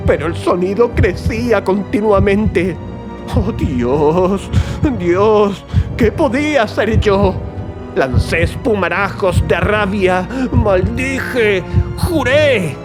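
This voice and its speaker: A tormented, unhinged murderer telling his confession in a horror audiobook. The voice is high for a man and slow, with theatrical, agitated emphasis. Music plays clearly behind it. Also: animated. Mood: frantic. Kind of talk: dramatized first-person horror audiobook narration.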